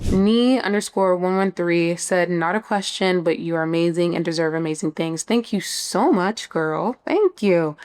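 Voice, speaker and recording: Lowish voiced woman in her 20s from miami, chill chatty q&a, lots of ums and likes. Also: clear, resonant tone. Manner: chatty, relaxed, frequent "um" and "like". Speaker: online seller answering viewer questions. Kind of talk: casual Q&A chat reading viewer comments.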